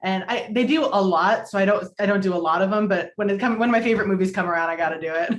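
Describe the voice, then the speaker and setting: A woman speaks informally over a video call from home. Her pitch is in the middle range for a woman. Her delivery is chatty and conversational, full of casual filler words. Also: fast, echoey room. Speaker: table read participant. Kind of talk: casual chat.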